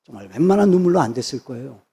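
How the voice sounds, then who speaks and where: A man's voice: mid-range voice, very animated, rapid-fire, mellow, breathy edge. A man, a pastor, preaching a sermon with emphatic repetition of phrases. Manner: emphatic, repeats phrases for stress.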